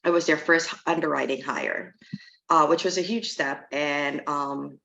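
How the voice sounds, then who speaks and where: A woman's voice: sits low, fairly even intonation, a little slow, creaky, a bit bright, low-quality recording. A woman in middle age from Trinidad, speaking frankly and conversationally as an interview guest. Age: middle-aged. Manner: frank, plainspoken. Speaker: interview guest, real estate agent.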